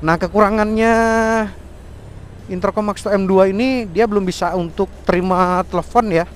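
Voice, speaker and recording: A man's voice: high voice, steady tone, moderate pace. A man giving a chatty review while riding his motorbike, talking about himself in the third person, recorded through a helmet intercom mic. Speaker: motorcycle vlogger reviewing gear. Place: on a motorbike outdoors in traffic. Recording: faint road and traffic noise behind.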